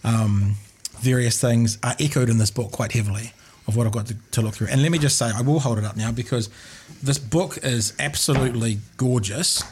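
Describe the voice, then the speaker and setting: A man hosting a casual live radio interview, chatty and rambling, slightly husky after an illness. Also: mid-range voice, brisk, darkish tone, a little hiss or hum. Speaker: radio host.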